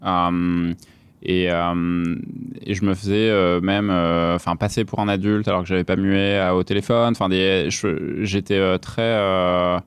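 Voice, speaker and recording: A man's voice: deep voice, flat delivery, measured pace, smooth, dry recording. A man in his thirties from southern France with no regional accent, answering interview questions in a casual, hesitant way with many fillers. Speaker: guest, company founder.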